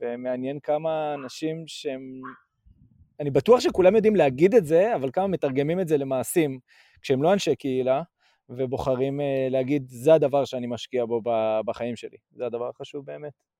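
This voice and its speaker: On a very clean recording with a silent background and a dry, close sound with no echo, a man with a fairly high pitch and a dark, mellow tone speaks at a moderate pace with ordinary pitch variation and big swings in loudness. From Israel, Beersheba. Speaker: community organizer. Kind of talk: casual interview. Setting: outdoors in his garden.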